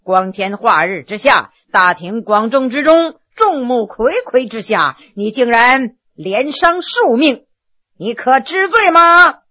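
A woman's voice: a little high, expressive, slow, pushed and bright, exaggerated voice. Woman doing a stern flustered magistrate. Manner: harsh, scolding, official.

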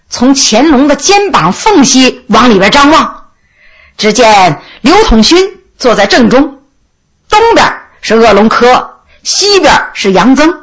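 A woman telling a historical story aloud, her high voice rising and falling with lively expression. She reads slowly and dramatically, taking her time over each scene. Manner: expressive, unhurried, dramatic reading. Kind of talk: storytelling narration of a historical novel.

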